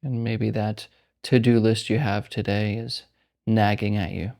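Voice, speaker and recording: A man leading a guided meditation as a teacher, speaking calmly and unhurriedly with long pauses. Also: lowish voice, creaky.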